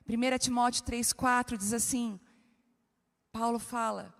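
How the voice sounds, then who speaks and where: A woman pastor preaching a lively, humorous sermon and speaking directly to her listeners. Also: fairly high pitch, measured pace, creaky. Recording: reverberant hall.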